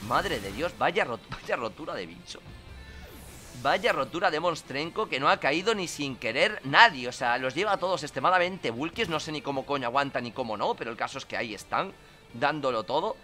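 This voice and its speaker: A young man calls his online match in a high, very bright and sharp voice. He swears freely and breaks into exasperated shouts. Faint game music runs underneath. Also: expressive, a little fast. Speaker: gaming commentator. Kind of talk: live gameplay commentary.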